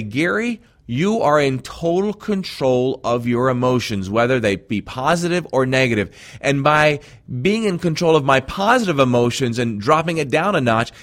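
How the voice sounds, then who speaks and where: A man's voice: a little high, a bit bright. A man from Jamaica, speaking without an accent, earnestly talking listeners through a recorded self-help program as a coach. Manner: earnest, conversational, addresses listeners as friends.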